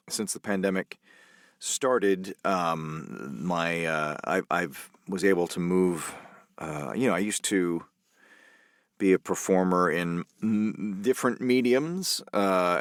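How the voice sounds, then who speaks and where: A man's voice: sits low, clean tone, no echo, clean studio sound. A man from Canada with a North American accent, a voice actor chatting casually and hesitantly in an interview from a soundproof booth. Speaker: voice actor and audiobook narrator. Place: small soundproof recording booth.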